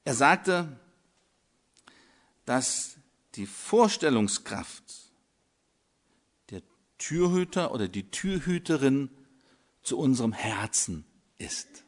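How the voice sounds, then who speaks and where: Older guy giving a sermon, slow and measured, lots of pauses. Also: mid-range voice, sing-song. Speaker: preacher.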